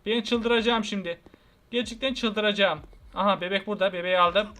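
A young man from Turkey giving chatty let's-play commentary on a horror game, talking to his viewers and crying out loudly at the scares. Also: high voice, level tone, a little fast. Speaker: gaming channel host.

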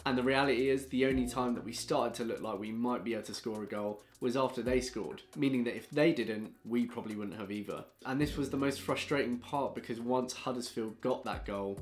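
A man, reading a scripted football match review to camera in a small room, measured and frustrated. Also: mid-range voice. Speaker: football fan vlogger. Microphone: fixed camera, close framing.

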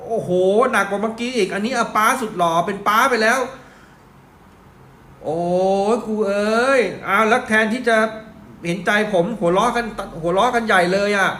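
A man's voice: high voice, normal speed, bright, forceful tone, reverberant. A middle-aged man giving a horoscope reading on a livestream, chatty and teasing with viewers and swearing casually. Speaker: astrologer and feng shui master.

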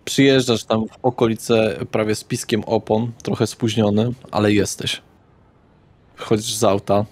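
A man's voice: fairly low pitch, little pitch movement, moderate pace, dry recording. A man narrating a tabletop role-playing game as the game master, describing scenes and addressing players.

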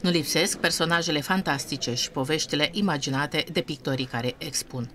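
A woman reporter narrating a scripted news piece in a measured, even way. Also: deep voice, a little hiss or hum.

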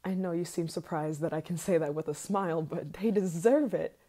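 A woman voicing an obsessive yandere scientist in an ASMR role-play, sweet and sinister, soft-spoken with hesitant pauses. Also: lowish voice, close to an everyday voice. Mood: smug, sinister.

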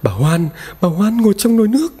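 A man's voice: mid-range voice, normal speed, dark tone, husky, natural voice. A man voicing a frightened rural wife who speaks in a shaky, fearful way. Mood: panicked. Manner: trembling, fearful. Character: terrified rural wife, middle-aged. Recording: long reverb.

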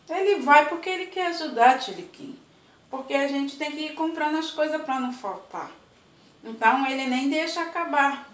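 A woman's voice: high-pitched, far from the mic. Chatty older Brazilian woman. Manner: chatty, tender, full of diminutives. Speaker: vlog host. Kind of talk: casual vlog chat. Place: home, indoors. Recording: roomy echo.

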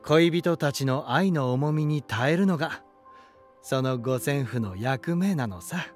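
An actor playing an elegant, romantic lighthouse spirit in a voice drama, gentle and warm, with poetic, softly teasing delivery. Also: male voice, mid-range voice, lively intonation, measured pace, lightly acted. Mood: wistful, fond. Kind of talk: Japanese voice drama monologue and dialogue. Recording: music behind. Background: music.

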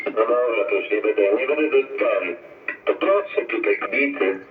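A man's voice: lowish voice, moderate pace, far from the mic, loud music behind the voice. A man leading an informal CB radio chat, hesitant and often repeating himself. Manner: informal, hesitant, circling repetitions. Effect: CB radio transmission. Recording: thin phone-like CB sound, static, echoey. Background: radio static.

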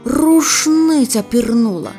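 A tipsy, clumsy middle-aged hunting buddy, acted out by a woman reading aloud blusters and slurs through drawn-out shouts. The voice sits mellow and soft-edged, with faint guitar music underneath. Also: mid-range voice, natural voice. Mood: panicked.

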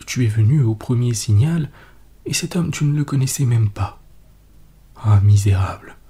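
A man's voice: mid-range voice, animated, normal speed, warm tone, breathy edge. A man voicing a jealous, suspicious husband beside himself with anger, pressing with insistent repetition, in a whispered role-play. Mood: accusing.

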